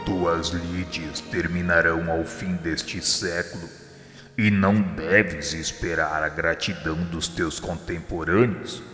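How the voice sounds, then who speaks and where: A man voicing Jesus as a grave divine figure in a radio drama, speaking with a Brazilian Portuguese accent in measured, solemn pronouncements. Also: deep voice, steady tone. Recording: heavy reverb with soft music behind.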